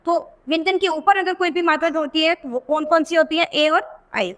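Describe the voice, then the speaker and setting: A woman teacher patiently explaining vowel signs to young children, often asking questions and drawing out sounds slowly. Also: very high voice, fairly even intonation, fairly bright tone, long reverb tail. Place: teaching video voice-over.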